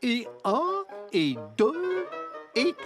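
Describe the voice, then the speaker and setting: Fussy little centipede handyman, cartoon, formal n flustered, high voice all over the place, loud music under. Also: sing-song, extremely slow, heavily acted. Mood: exasperated. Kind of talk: animated children's cartoon dubbing.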